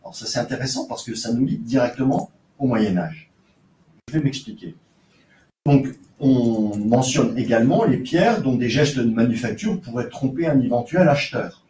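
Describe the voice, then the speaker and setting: A man's voice: mid-range voice, lively intonation, normal speed, dark tone. A man giving an academic seminar lecture as an archaeologist, explaining with frequent hesitations and fillers. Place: lecture room. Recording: roomy, distant lecture recording with faint noise.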